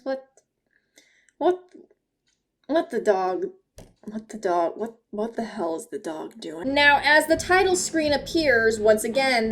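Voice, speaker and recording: A woman with a fairly high voice talks through a video essay in a casual, joking way. She is playful and sarcastic, slipping into slang and mock-dramatic asides, with background music underneath. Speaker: host of an analog horror analysis video.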